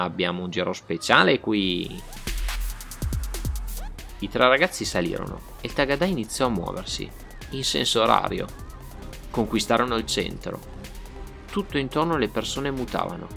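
A man with a low, gravelly voice narrates a comic audio story in a wry tone. Soft background music runs under his telling. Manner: wry, crude humor.

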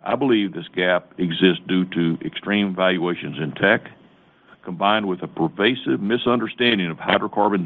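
A man presenting as a company executive on an earnings call, reading a prepared script in a formal, measured way. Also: sits low. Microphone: conference call phone line. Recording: tinny narrow-band phone line.

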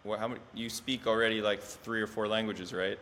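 A man's voice: lowish voice, level tone, fairly quick, a bit bright. A man hosting a podcast, asking casual interview questions and adding brief interjections. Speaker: podcast host.

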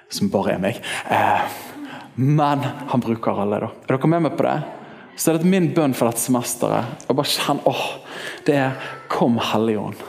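A thirty-year-old man preaching at a church service as pastor, telling stories in a lively way and leaping up in pitch when excited. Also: vocal fry, in a large hall. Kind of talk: sermon.

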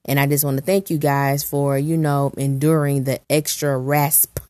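A woman with a naturally raspy voice, made extra rough and deep by an oncoming cold, hosts her solo podcast. She speaks in a very low register and sounds earnest and prayerful as she encourages her listeners. The recording is dry and close. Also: level tone, normal speed, dark tone, no room sound. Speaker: podcast host. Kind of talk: motivational solo podcast talk.

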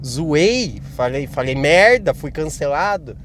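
A man's voice: on the high side, expressive, slow pace, a bit bright, a little hiss or hum. A man hosting a podcast, rambling through a self-mocking comedic monologue. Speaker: podcast host.

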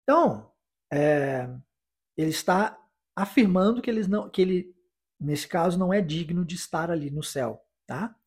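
Brazilian teacher, dark husky voice. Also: male voice, high voice. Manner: explains phrases, then repeats English lines slowly for practice; encouraging, with tag questions like "né?" and "tá?". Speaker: English teacher. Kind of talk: podcast language lesson.

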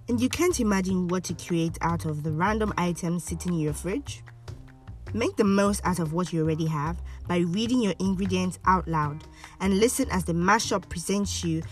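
A woman's voice: fairly low pitch, recorded from a distance. A woman voice-over artist reading scripted advertising copy. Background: music.

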